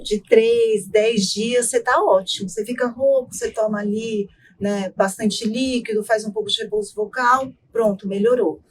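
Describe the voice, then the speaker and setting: A middle-aged woman, an ENT doctor, explaining voice care in an interview in a measured way, often ending with tag questions. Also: fairly high pitch, a little hiss or hum, low-quality recording. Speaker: ENT doctor, guest expert.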